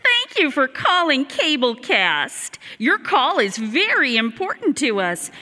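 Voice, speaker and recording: A cheerful automated phone-menu voice from a radio comedy sketch, voiced by a woman. She speaks slowly with a bright, lilting tone and polished recorded-message politeness. The room gives it a long reverb. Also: high voice, huge pitch swings, full character voice. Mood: chirpy.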